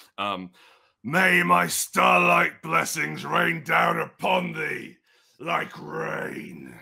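A man's booming, raspy put-on character voice, very deep and low, at a very slow pace. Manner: booming, grand.

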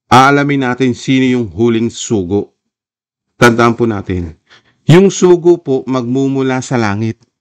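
A man with a plain, everyday voice speaks at a medium pitch. His intonation is lively and his pace fairly slow. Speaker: Bible teacher on a YouTube channel. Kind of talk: Bible study answering viewer questions. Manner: polite, formal.

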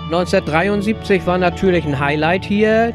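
Clear music sits behind a man whose voice is dry, with no echo. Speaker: amateur football goalkeeper coach. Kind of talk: interview answer. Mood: warm, reminiscing. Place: home room. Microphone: handheld.

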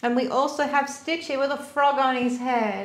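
A woman talks at a moderate pace in a high voice. Audible room echo surrounds her. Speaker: co-host presenting collectibles. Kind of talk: casual live-stream product showcase. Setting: studio live stream. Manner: animated. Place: shop.

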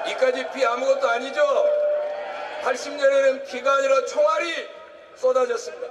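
With a Jeolla accent, the speaker talks at a moderate pace over noticeable background noise. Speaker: event MC. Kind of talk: rally speech to crowd. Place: stage.

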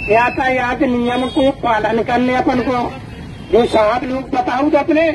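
Someone speaks at a very slow pace in a Bundelkhand accent over noticeable background noise. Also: man. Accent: Bundeli dialect. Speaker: local announcer. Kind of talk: public awareness announcement. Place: street. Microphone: handheld.

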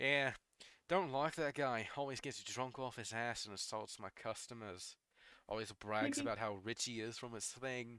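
Using a put-on character voice, a man rumbles at a medium pitch and a moderate pace. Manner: grumbling, irritated.

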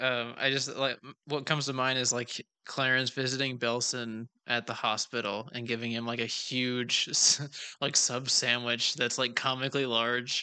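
A man's bright, sharp, monotone voice at a moderate pace, with flat intonation over a quiet background. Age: young (19). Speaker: college student podcast host; podcast guest, animation voice actor. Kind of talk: casual interview chat. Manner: hesitant, many fillers. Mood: relaxed, amused. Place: home room. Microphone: earbuds.

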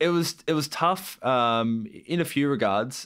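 This man's pitch varies in an ordinary way, and the background behind him is quiet. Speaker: podcast guest. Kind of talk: interview answer. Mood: relaxed, reflective, some laughter. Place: home room. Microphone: studio mic.

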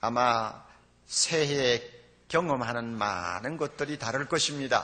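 A man's very slow delivery with ordinary pitch variation. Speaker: pastor. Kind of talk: sermon. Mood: earnest, reflective. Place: church. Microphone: podium.

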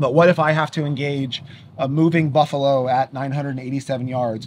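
There is light background noise behind a man speaking at a fairly slow pace. His voice is somewhat breathy, and his intonation is fairly even. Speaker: firearms instructor guest. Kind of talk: interview answer. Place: open country.

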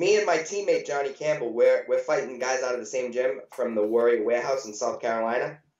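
Against a quiet background with audible room echo, a man speaks at a fairly quick pace. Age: 20s. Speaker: amateur MMA fighter. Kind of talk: casual interview. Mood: confident, trash-talking. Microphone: video call.

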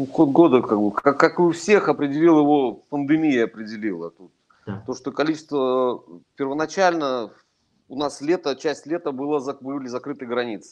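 In a quiet background, a man with a normal speaking voice and a fairly high pitch talks at a moderate pace, with ordinary pitch variation and big swings in loudness. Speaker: real estate agent. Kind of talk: expert interview in webinar. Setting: video call. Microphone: video call.

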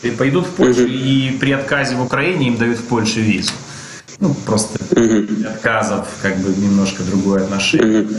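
The speaker goes at a moderate pace. Room echo is audible, and light background noise sits underneath. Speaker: video channel host interviewer. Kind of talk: interview. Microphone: video call.

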